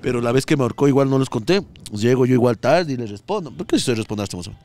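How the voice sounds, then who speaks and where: Lively young Ecuadorian man telling stories. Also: medium pitch, very fast. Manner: animated, vivid sound effects. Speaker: podcast co-host. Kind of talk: casual comic storytelling.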